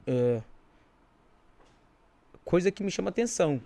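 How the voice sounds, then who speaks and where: Slangy Brazilian man with a creaky, higher voice. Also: big pitch swings, measured pace, warm tone. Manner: slangy, informal. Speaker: comedian interview guest. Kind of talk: casual chat, animated storytelling.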